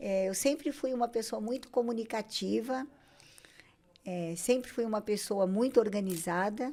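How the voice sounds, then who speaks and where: A woman speaks fairly slowly at a medium pitch, her tone dark and mellow and her intonation lively. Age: 60s. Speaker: teacher and psychopedagogue. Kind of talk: interview.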